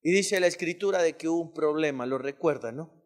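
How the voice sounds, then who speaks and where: A man preaching a sermon, calling on the congregation to repeat his words and reading scripture quickly. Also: fairly high pitch. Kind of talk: call-and-response sermon.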